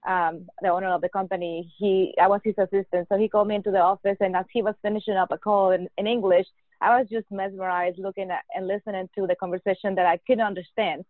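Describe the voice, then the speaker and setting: A woman's voice: medium pitch, flat delivery, fast talker, no room sound. A woman, a podcast guest who speaks hesitantly and laughs often. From Mexico. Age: 40s. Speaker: guest, nurse anesthetist. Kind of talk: podcast interview. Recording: dry tinny phone-like line.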